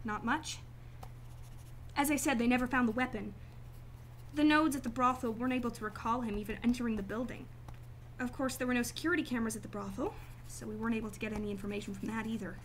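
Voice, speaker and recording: Cool, detached woman acted, high-pitched. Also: fairly even intonation, fast, slight background noise, lightly acted, poor audio. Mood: matter-of-fact. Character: cool, detached female client, guarded murder victim's sister. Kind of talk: radio drama acting.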